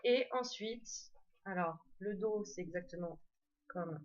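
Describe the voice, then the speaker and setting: A woman's voice: mid-range voice, slow pace, dull audio, noisy background. A woman casually showing her tarot and oracle card decks, chatty, with many fillers and restarts. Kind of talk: casual show-and-tell.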